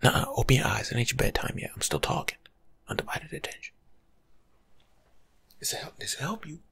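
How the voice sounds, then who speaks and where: Husky, half-whispering young American man. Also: medium pitch, brisk. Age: young adult. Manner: slangy, teasing lecturing, animated. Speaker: ASMR creator playing a life coach. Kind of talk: soft-spoken ASMR, casual advice monologue. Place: small home room, seated indoors.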